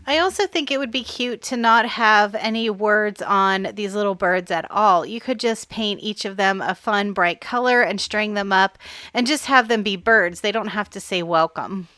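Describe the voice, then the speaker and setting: Female craft host, a little hoarse, bright crisp voice, dry close sound, friendly step-by-step explaining. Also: mid-range voice, moderate pace, no room sound. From Pennsylvania, US. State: slightly hoarse from allergies. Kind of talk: voice-over craft tutorial.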